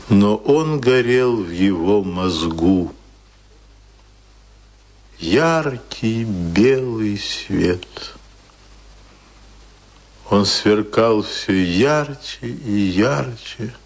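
A man narrating a radio play in a grave, measured, suspenseful literary style. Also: mid-range voice, gravelly, slightly rough, exaggerated voice. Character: grave male narrator of a drowning man's end.

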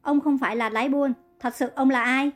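A woman's voice: high-pitched, steady tone, fairly quick, faint music behind, close to an everyday voice. A woman reading the part of a kind young woman who pleads earnestly in a narrated story. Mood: pleading. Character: kind young woman healer, frightened captive.

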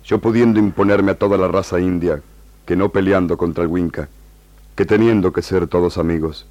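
An actor playing a grave, proud indigenous chieftain who longs for peace, speaking stilted broken Spanish in a radio drama. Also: male voice, sits low, fairly even intonation, normal speed, darkish tone, no room sound, lo-fi sound, natural voice. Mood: solemn.

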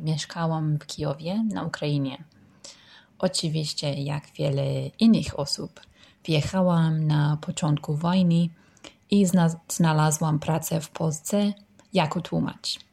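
British woman in her 30s, english accented polish, slow and hesitant, bit of creak in the voice. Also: sits low, steady tone, dark tone. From United Kingdom. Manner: halting, hesitant learner's delivery. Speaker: listener sending a voice message. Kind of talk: informal self-introduction in a learner's Polish.

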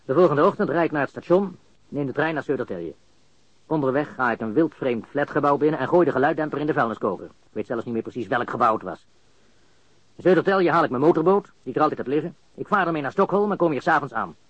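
An actor playing an agitated criminal suspect under interrogation in a radio crime drama, indignant and prone to swearing. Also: male voice, a little high, lively intonation, fast talker, no room sound, lo-fi sound. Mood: matter-of-fact.

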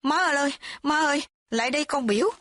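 A woman voicing a volatile, violent young male noble in an audio story, shouting wild threats. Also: mid-range voice, lively intonation, moderate pace, no room sound, clean studio sound. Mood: bellowing.

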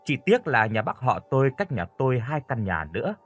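A man narrating a scripted first-person horror story in an expressive storytelling voice. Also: medium pitch, a little fast, husky, faint music behind.

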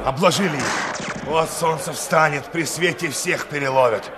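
An actor playing a bold, blunt peasant fighter with folksy speech in a radio drama. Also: male voice, fairly high pitch, normal speed, lightly acted. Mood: gritty confidence. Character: bold, rough peasant fighter in a bandit hunt. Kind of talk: Soviet radio drama acting. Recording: very noisy radio play recording.

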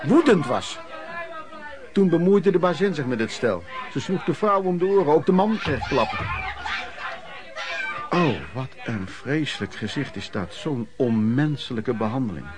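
An actor playing an earnest, aghast storyteller narrating lodging-house memories in a radio play. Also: male voice, on the high side, lively intonation, unhurried. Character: male storyteller recalling lodging-house misery, shocked and earnest. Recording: crowd noise behind the voice.

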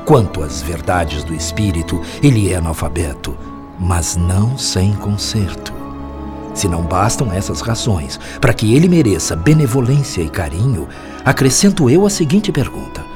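A patient, compassionate spirit guide in a radio drama. He sermonizes in measured, persuasive phrases with a low voice and richly varied intonation, music softly behind. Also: big pitch swings. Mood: earnest, admonishing. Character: calm, wise male spirit mentor, compassionate and patient.

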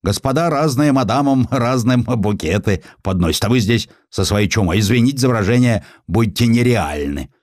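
A man's voice: medium pitch, lively intonation, moderate pace, hardly any pauses, darkish tone, no room sound, studio quality, pitched above the performer's own voice, lightly acted. A man voicing a haughty, vulgar hotel owner with mock-genteel, old-fashioned servile speech in an audio drama. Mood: dismissive.

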